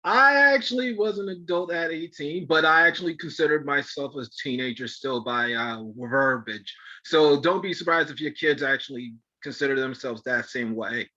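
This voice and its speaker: A man hosts an interview with a bright, forceful voice, sitting a little high for a man. He talks in an effusive, affectionate and rambling way. The audio sounds dull and lo-fi. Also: normal speed, hardly any pauses. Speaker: podcast host. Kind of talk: casual interview chat.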